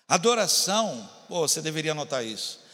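A man's voice: a little high, big pitch swings, a little fast, pushed and bright, long reverb tail. A man preaching a sermon, talking straight to his congregation and building intensity. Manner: preaching with rising intensity, addressing the congregation directly. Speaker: pastor.

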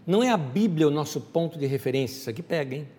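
A male pastor delivers a lively sermon, his fairly high voice rising and falling in wide swings. He speaks directly and familiarly to his listeners. A long reverb trails behind every phrase. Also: quick pace. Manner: animated preaching, talks straight to the listener.

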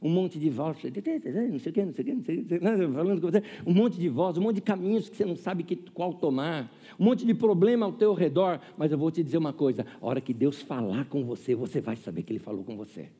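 A man's voice: a little high, lively intonation, quick pace, hardly any pauses, dark tone, breathy edge, long reverb tail. A man in his fifties preaching a sermon, chatty and humorous, often asking the audience questions and telling a personal story. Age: 50s. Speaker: pastor.

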